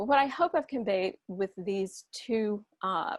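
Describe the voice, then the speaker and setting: Dry, close sound with no echo, carrying a woman's unremarkable speaking voice, fairly high in pitch with ordinary variation and a fairly slow pace. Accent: American. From United States. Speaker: lecturer. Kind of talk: lecture. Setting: video call. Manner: formal.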